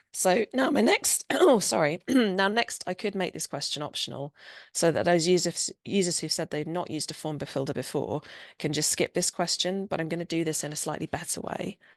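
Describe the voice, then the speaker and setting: With a British accent, a woman speaks at a fairly low pitch and a fairly quick pace with lively intonation, over a quiet background. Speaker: civil servant presenting a product demo. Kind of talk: webinar tutorial demo. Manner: halting with many fillers.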